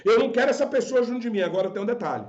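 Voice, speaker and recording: A man's voice: very high voice, lively intonation, very fast, darkish tone, dull audio. A man with a Brazilian Portuguese accent preaching a fervent, scolding sermon as a pastor on a live stream. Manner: fervent, scolding, acts out quoted voices.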